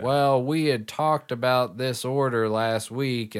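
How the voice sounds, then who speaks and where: In a put-on character voice with a Southern accent, a man drawls at a moderate pace and medium pitch, his intonation fairly even, on a very clean recording with a silent background. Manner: slight drawl.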